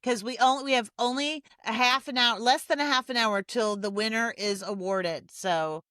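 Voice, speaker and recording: A woman's voice: a little high, normal speed, bright, forceful tone, dry recording. A woman hosting a live show, upbeat and enthusiastic, chatting casually with many restarts. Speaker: host.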